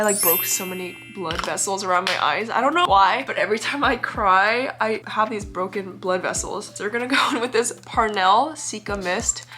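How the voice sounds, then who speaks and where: A woman's voice: mid-range voice, bright, forceful tone. Young woman vlogger, sick and phlegmy, chatty and giggly, music under her voice. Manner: chatty, giggly, talks while doing makeup. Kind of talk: casual get-ready-with-me chat.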